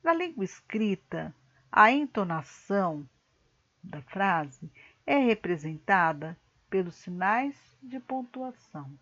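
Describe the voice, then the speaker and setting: A woman teacher with a Brazilian Portuguese accent, reading a grammar lesson slowly and carefully to her class. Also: medium pitch, very animated, fairly bright tone, dull audio. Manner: slow, careful explanatory reading. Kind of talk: recorded online grammar lesson.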